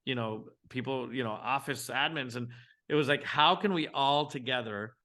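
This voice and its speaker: Bright-voiced man in his forties. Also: medium pitch, moderate pace. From Venezuela. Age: 40s. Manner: animated, frequent restarts, acts out his own thoughts. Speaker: guest entrepreneur. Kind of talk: casual interview storytelling.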